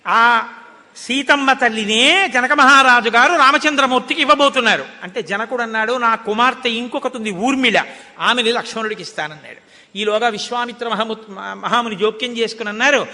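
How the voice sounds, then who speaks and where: An older man with a Telugu accent gives a devotional discourse, his voice unusually high and piercingly bright. He shifts into slow chanting for Sanskrit verses, and a long hall reverb trails every phrase. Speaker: religious discourse speaker.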